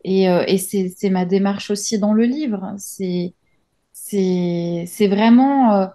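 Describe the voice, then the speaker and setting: A woman's voice: medium pitch, slow pace, dark tone. A woman in her thirties giving a reflective interview as an author, thinking aloud with many hesitations and restarts. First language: French. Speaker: interview guest, journalist and author.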